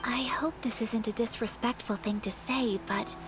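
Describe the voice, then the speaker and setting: A woman voicing a gentle, polite young noblewoman in a video game, soft-spoken and formal. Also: on the high side, fairly even intonation, normal speed, lightly acted. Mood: wistful. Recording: game audio with background music.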